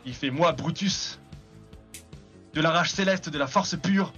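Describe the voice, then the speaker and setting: A man voicing a huge brutal villain warrior for a tabletop game, speaking with slow theatrical menace. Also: fairly high pitch, bright, forceful tone, muffled recording, faint music behind. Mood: boastful menace.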